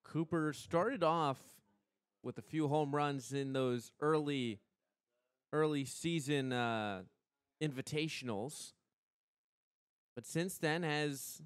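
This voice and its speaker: A young American man doing live radio play-by-play commentary of a softball game as the announcer. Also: medium pitch, clean tone, no room sound, studio quality. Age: young adult. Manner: measured between plays, excited on big plays.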